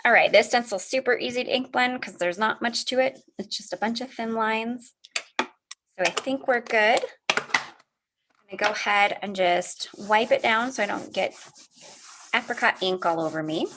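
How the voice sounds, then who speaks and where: A woman's voice: fairly high pitch, normal speed, noisy background. Friendly middle-aged lady demoing crafts live, chatting with viewers, bit sniffly. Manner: friendly, chatty, answers viewer comments as she works. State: a little sniffly from allergies. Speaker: craft livestream host. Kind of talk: live card-making demo, chatting with viewers.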